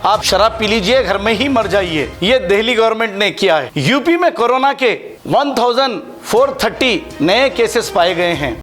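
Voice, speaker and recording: Male bulletin anchor, very high pitch, music bed behind. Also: expressive, moderate pace, a bit bright. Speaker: news presenter. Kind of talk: news bulletin reading with personal asides.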